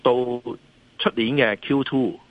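A man's voice: mid-range voice, slow. A man with a Hong Kong accent giving off-the-cuff market commentary as an interview guest, emphatic and often checking for agreement with rhetorical questions. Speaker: financial analyst and columnist, guest. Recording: dull lo-fi remote call line.

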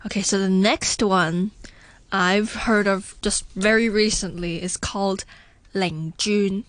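A woman's voice: mid-range voice, fairly even intonation, slow, dry recording. A young woman guest on a radio chat, explaining slang in an agreeable, matter-of-fact way. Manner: explanatory, agreeable, many short yeses.

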